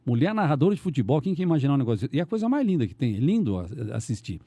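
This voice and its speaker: A middle-aged Brazilian man, a radio announcer, chatting on a podcast in a rambling, animated way with many restarts. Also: medium pitch, racing, no echo. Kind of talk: casual podcast conversation.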